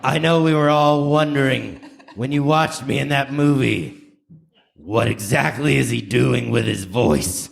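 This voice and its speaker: A man voicing a gruff, self-important movie vigilante with a deadpan manner in a live comedy radio play. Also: medium pitch, unhurried. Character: gruff movie vigilante confessing alien abductions. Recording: noisy live stage recording.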